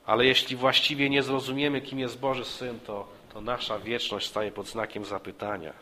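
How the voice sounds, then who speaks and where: A man preaching a sermon, earnest and repeating himself with small restarts, rising for emphasis and dropping low and soft. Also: level tone, normal speed, slight background noise. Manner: earnest, repeats phrases with restarts, rises for emphasis and drops softly.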